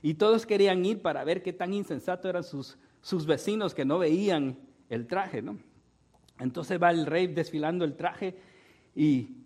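High-voiced male pastor preaching. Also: normal speed, a little mellow. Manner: storytelling with frequent "¿no?" tags. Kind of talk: sermon.

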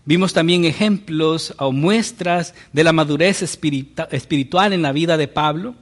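A man's voice: fairly high pitch, moderate pace. A man preaching a sermon as pastor, teaching with rhetorical questions.

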